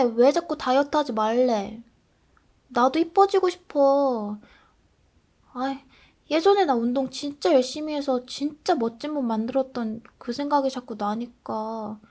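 Woman playing a sulky dieting girlfriend, high voice, grumpy pouting, soft role-play. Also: measured pace. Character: dieting girlfriend, low on self-esteem.

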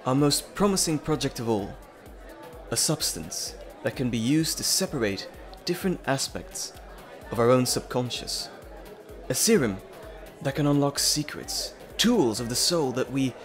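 A man's voice: medium pitch, natural voice. A man playing an earnest, nervous scientist and professor in an audio drama, with hesitant, stammering, wordy and formal speech. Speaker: voice actor. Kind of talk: dramatic roleplay audio acting.

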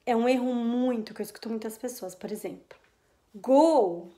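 A woman's voice: on the high side, moderate pace, warm tone. A Brazilian woman teaching English in a casual online lesson, checking in often with her students and drawing out her English example phrases. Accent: Brazilian Portuguese. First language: Portuguese. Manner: chatty, checks in often with "ok?" and "combinado?".

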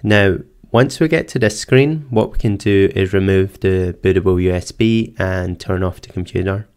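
A man narrating a screen-recorded computer tutorial, calmly explaining each step in order. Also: sits low, moderate pace, clean tone. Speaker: tech tutorial presenter. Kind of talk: screen-recorded software walkthrough. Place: voice-over for screen capture.

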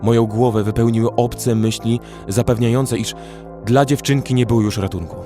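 A man's voice: mid-range voice, fairly even intonation, moderate pace. A man giving dramatic first-person scripted narration of a horror story. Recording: faint music behind.

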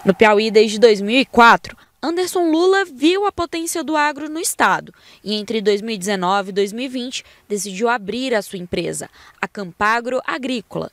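A woman's voice: on the high side, lively intonation, moderate pace, hardly any pauses, dry recording. A woman with a Brazilian accent reading a scripted television news report as the reporter.

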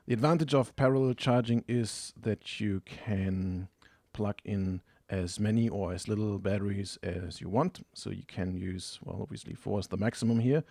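A man with a fairly low voice presents a practical how-to. He speaks slowly and methodically, explaining each step in a matter-of-fact way. The sound is dry, with little room in it. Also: vocal fry, darkish tone, no room sound. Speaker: tutorial presenter. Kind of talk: hands-on instructional narration.

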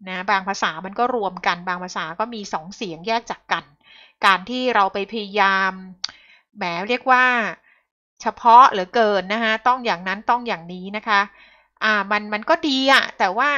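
A woman's voice: mid-range voice, bright, forceful tone, muffled recording. A woman commenting on the news in a talk show, polite at first and growing heated and emphatic.

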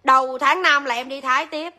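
A woman's voice: high voice, fairly even intonation, fairly quick, pushed and bright. A woman, chatting straight to viewers as she sells jewelry on a livestream. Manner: chatty, addresses viewers directly. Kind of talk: live-selling chat.

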